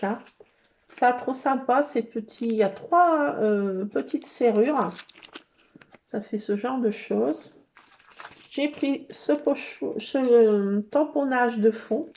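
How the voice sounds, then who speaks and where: A middle-aged woman chatting casually as she shows her scrapbooking work and supplies, rambling and pausing often. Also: a little high, a little mellow. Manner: chatty, rambling, full of hesitations. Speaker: scrapbooking vlogger. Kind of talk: casual show-and-tell chat.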